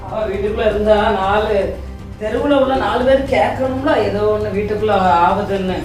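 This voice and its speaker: A woman's voice: mid-range voice, normal speed, a little mellow, lightly acted. A woman acting a domineering mother-in-law who lectures and scolds her son's wife, in an amateur church family skit. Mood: scornful. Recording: echoey room, far mic, faint music.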